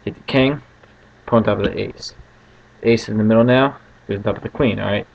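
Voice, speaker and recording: Guy doing laid-back card trick patter, gravelly and monotone, keeps checking in, muffled lo-fi mic. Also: fairly low pitch, brisk. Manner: checks in constantly with short tag questions. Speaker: card trick tutorial host. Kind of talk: casual card magician patter, demonstrating and explaining a trick step by step. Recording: muffled lo-fi home recording with faint noise.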